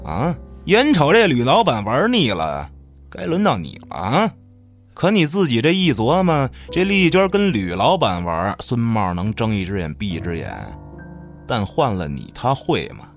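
A man's voice: medium pitch, very animated, normal speed, soft background music. An actor playing a hot-tempered, suspicious village tough in a Chinese radio drama, cursing coarsely as he accuses and taunts. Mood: taunting, scornful.

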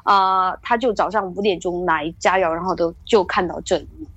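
A woman's voice: lowish voice, brisk, husky, no room sound, dull audio. A woman recounts a spooky tale in a loose, rambling chat. She doubles back often and lifts her voice as the story builds. The sound is dry and close, with no room around it. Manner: rambling, many restarts and fillers, lively build-up. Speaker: guest storyteller. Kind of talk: casual spoken ghost story.

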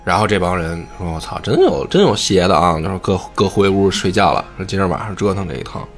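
A man who hosts a podcast, retelling a classic novel in animated, colloquial chat and swearing freely. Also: low-pitched, fast talker, soft background music. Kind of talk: casual storytelling chat.

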